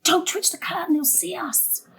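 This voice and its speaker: A woman playing a brisk, long-suffering middle-aged mother in an audio drama, prim and organising. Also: extremely high pitch, steady tone, gravelly, fairly bright tone, full character voice. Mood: tense. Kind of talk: stage-thriller audio drama acting.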